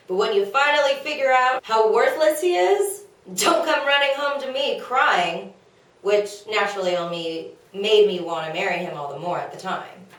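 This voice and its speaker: A woman's voice: mid-range voice, fairly bright tone, close to an everyday voice. A woman playing an exasperated, insecure wife in a comedic table read, with a plaintive, griping, colloquial delivery. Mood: aggrieved. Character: exasperated, henpecking young-to-middle-aged wife of Socrates, insecure. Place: echoey room, away from mic. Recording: very echoey room, distant mic.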